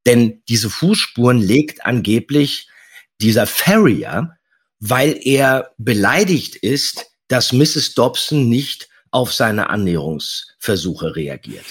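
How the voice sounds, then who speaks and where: A man's voice: mid-range voice, sing-song, slow pace, husky. A man co-hosting a podcast, giving emphatic, opinionated critique in casual conversation. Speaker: podcast co-host.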